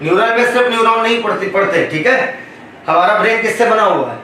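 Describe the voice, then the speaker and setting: A man teaching a biology class in a classroom. His voice sits high and he draws answers out of the students with constant questions. The sound comes from far off in a strongly echoing room with a faint hum of ambience. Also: expressive, fast, pushed and bright. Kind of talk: classroom lecture.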